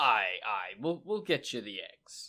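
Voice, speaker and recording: A man uses a put-on character voice. It sits at a fairly high pitch. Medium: actual play. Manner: hearty, brash.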